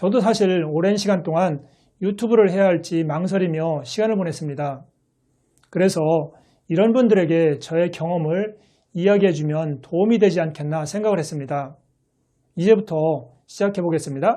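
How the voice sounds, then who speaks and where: His voice is high-pitched with a dark, mellow tone, at a moderate pace. He leaves long, frequent pauses against a quiet background. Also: ordinary pitch variation. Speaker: business lecturer. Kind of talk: lecture. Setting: recorded video alone. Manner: halting.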